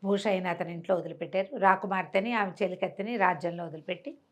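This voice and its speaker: A woman's voice: on the low side, quick pace, muffled recording. A woman with a Telugu accent telling a folk tale conversationally, explaining as she goes and acting out dialogue in her own voice. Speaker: storyteller.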